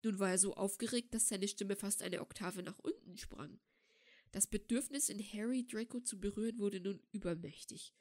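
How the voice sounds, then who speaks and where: A woman reading a fan fiction audiobook in a calm, steady narrating voice. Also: medium pitch, moderate pace, dry recording, studio quality. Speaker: audiobook reader.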